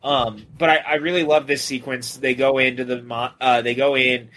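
A man's voice: mid-range voice, steady tone, moderate pace, a bit bright. A man co-hosting a podcast, casually and enthusiastically talking through scenes of a film. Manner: enthusiastic, recounts scenes with quoted lines. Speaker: podcast co-host.

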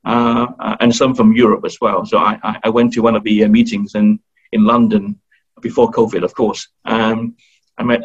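A man's voice: lowish voice, breathy edge. A man with an Australian accent, talking hesitantly as an interview guest with many fillers and restarts. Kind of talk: casual interview talk. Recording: dull lo-fi recording.

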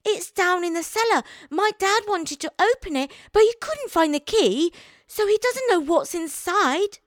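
A woman voicing a curious, polite young boy in a small, high childlike voice. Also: lively intonation, measured pace, no room sound, clean studio sound.

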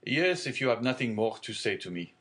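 A man reading aloud and voicing a genial, fatherly older shipowner in a hearty, booming manner. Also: sing-song, fairly quick, fairly bright tone. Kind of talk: audiobook character reading.

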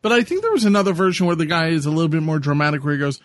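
A man's voice: a little high, expressive, very fast, no echo, studio quality. A man co-hosting a casual podcast, chatting and laughing about old commercials. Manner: laughing, nostalgic. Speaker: podcast co-host.

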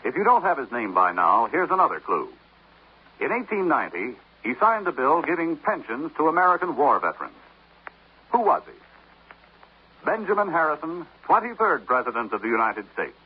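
A male announcer reading a scripted history quiz spot in a lively, quizzing manner. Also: fairly high pitch, moderate pace, slightly rough. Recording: dull old radio broadcast.

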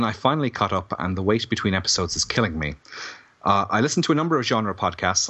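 A man's voice: low-pitched, bright, forceful tone, breathy edge. An Irish man chatting casually as a co-host on a podcast. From Ireland. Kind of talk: casual chat.

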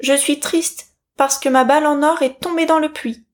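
A woman voicing a pampered, spoiled young princess in a storybook reading, with a high, plaintive way of pleading. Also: animated, moderate pace. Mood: distressed.

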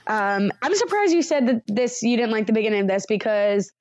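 A woman's voice: fairly high pitch, fairly quick, dry recording, lo-fi sound. Chatty woman podcast co-host, dry sound. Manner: laughing, chatty, animated retelling. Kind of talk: casual recap chat.

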